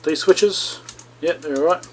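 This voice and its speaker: A man's voice: on the high side, measured pace, a little hiss or hum. A man hosting a repair video, casually talking himself through the work with chatty asides to viewers. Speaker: electronics repair channel host. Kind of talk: casual running commentary while repairing.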